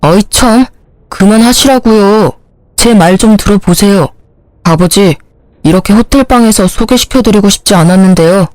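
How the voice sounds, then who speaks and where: A woman's voice: mid-range voice, normal speed, darkish tone, dry recording, lightly acted. Woman doing a whiny cheating husband making excuses, dry close sound. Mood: pleading. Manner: whining, pleading.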